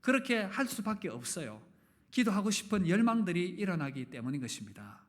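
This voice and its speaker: Animated pastor preaching a sermon. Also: male voice, sits high, fairly quick. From Gyeongsang region, Korea. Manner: animated, with sudden loud emphatic openings; asks the congregation questions and jokes with them. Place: church sanctuary. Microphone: live-streamed service mic.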